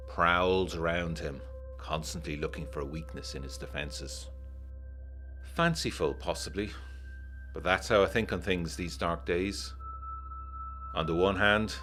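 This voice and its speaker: A brooding, old-fashioned gentleman of the 1920s with a very low voice. He reads his letter in formal period diction, worried and indignant, with measured emphasis. Faint music plays under this gothic audio drama.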